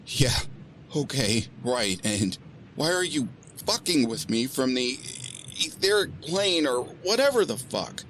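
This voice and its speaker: A man's voice: fairly low pitch, animated, moderate pace, fairly bright tone, a little hiss or hum, voice pushed up. A man voicing a frightened, desperate protagonist who speaks shakily and swears in disbelief. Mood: incredulous. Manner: shaky, panicked, sweary. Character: frightened, desperate lonely protagonist, shaky and angry.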